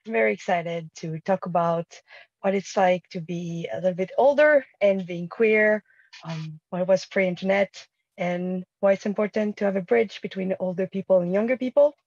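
A woman in her thirties, a guest on a video-call talk show, slightly croaky from a cold, speaking earnestly with frequent ums. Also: medium pitch, moderate pace, a little mellow, no echo. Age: 30s. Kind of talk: casual interview chat. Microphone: webcam mic on video call. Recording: dull lo-fi call audio.

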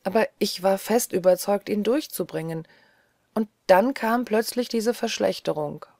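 A woman reads a gentle, troubled man doctor, quiet brooding reasoning, dry close sound, gravelly tone. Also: medium pitch, unhurried, no echo.

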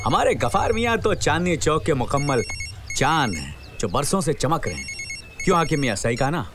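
A chatty Urdu professor. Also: male voice, on the high side, big pitch swings, fairly quick, noisy background. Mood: genial. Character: middle-aged Urdu professor, genial and talkative. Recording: film soundtrack with background music.

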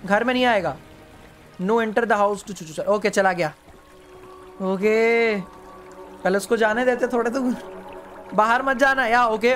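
Jumpy male streamer yelping at a game. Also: sits high. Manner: jumpy, yelps and pleads with the monster, then hushes to a whisper. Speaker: gaming streamer. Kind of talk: live gameplay commentary.

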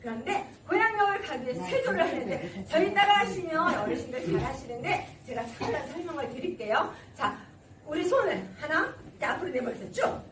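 Lively high-voiced woman leading a class. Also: fairly quick, recorded from a distance. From Seoul, South Korea. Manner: lively, coaxing, counts beats aloud and laughs often. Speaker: senior recreation instructor. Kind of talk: leading a group exercise class. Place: large room with a group of seniors. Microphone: no microphone, recorded from across the room. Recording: echoey room, voice from afar, loud crowd and noise.

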